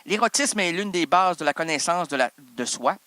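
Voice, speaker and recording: Man, Québécois accent, bright tone, rambling comic improv, echoey hall. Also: on the high side, expressive, moderate pace. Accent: Québécois French. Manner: rambling, self-interrupting, teasing the audience. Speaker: improv performer and host. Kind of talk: improvised comic stage monologue.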